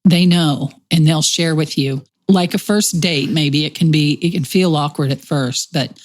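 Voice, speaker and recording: A middle-aged woman with a Texas accent talks in a calm, reflective way. Her voice sits a little low, and she keeps a gentle, reassuring tone as she explains ideas in conversation. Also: measured pace. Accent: Texan. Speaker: podcast host. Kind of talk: conversational podcast chat.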